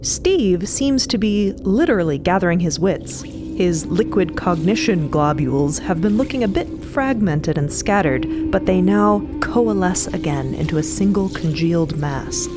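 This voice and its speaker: A woman's voice: fairly low pitch, lively intonation, a little slow, music in the background. A woman narrating an audio drama in a scripted, dramatic storytelling style.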